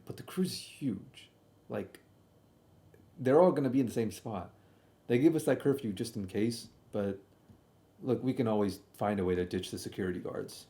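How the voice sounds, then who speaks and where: A man's voice: lowish voice, dark tone. A young man telling a casual, slangy stream story, often doubling back and repeating himself as he comments on old videos.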